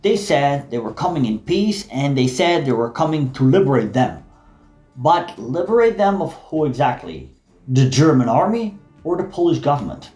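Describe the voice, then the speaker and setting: A man narrating a history documentary from a script in measured, storytelling delivery. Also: fairly high pitch, darkish tone, reverberant. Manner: measured storytelling, dramatic reading of quotes.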